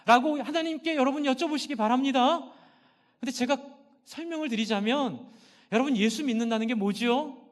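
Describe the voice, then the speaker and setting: High-voiced male pastor in a reverberant church. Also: moderate pace. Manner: impassioned, asks and answers own questions. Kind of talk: sermon. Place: church sanctuary. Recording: long hall reverb.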